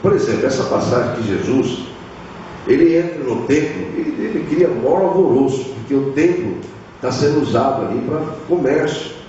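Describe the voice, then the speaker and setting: A man's voice: mid-range voice, expressive, normal speed, dark tone, a little hiss or hum. A man pastor preaching a sermon with a Brazilian Portuguese accent, often acting out biblical figures. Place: church hall. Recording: echoey church hall, far mic, dull.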